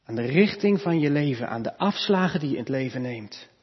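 A man preaching a sermon in a church, teaching earnestly, lifting his voice for emphasis and dropping soft at the ends of points. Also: medium pitch, expressive, a little fast, husky. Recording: reverberant church hall, dull lo-fi sound.

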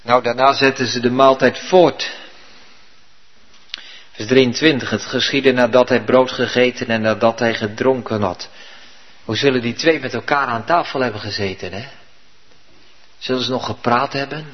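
A man's voice: medium pitch, fairly even intonation, moderate pace, long pauses. A male pastor preaching a sermon in church, telling the story vividly and earnestly. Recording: dull recording with long hall reverb.

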